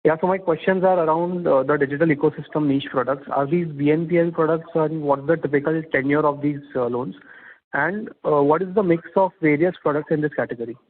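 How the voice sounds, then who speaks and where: A man, an analyst asking questions on an earnings call, speaking quietly and hesitantly over a handset. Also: on the high side, a little fast. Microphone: phone handset. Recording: tinny phone line.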